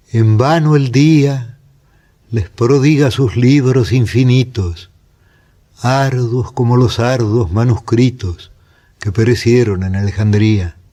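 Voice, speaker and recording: At a very slow pace, a man with a medium pitch and a dark, mellow tone speaks somewhat breathily, with ordinary pitch variation. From Argentina. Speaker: writer and poet. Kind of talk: poetry reading. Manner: slow, measured.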